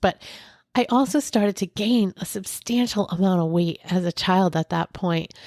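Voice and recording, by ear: A woman's fairly low voice with ordinary pitch variation, in a dry, close sound with no echo. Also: slightly mellow tone.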